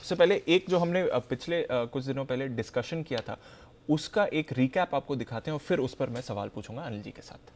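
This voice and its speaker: A man's voice: mid-range voice, animated, a little fast, darkish tone. Polite young male news anchor. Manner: polite, brief affirmations, addresses guest as sir. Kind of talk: studio interview questions. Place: TV news studio.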